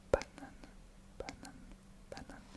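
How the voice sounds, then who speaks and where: A man whispers over noticeable background noise. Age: 20s. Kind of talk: ASMR roleplay, medical exam scenario. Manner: whispered.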